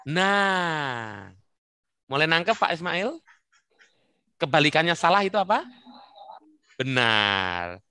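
A man leading an online work-habits workshop, coaxing participants by name in a lively, teasing way over a video call. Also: on the high side, unhurried, pauses often, no room sound. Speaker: webinar trainer. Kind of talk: interactive online workshop talk.

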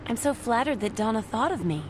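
An eager young alien heroine, as a man puts her on, bubbly and upbeat. Her pitch runs high and swings around a lot. Faint background hum sits behind her in this motion comic. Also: lively intonation, a little fast. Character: Supergirl, young female alien hero, eager.

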